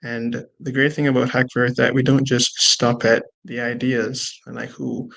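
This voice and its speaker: A young man talks casually on a video call, halting and stacking fillers. His voice is gravelly with vocal fry. His pitch stays quite flat. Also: rough recording. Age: young adult. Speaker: panelist. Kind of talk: online panel discussion.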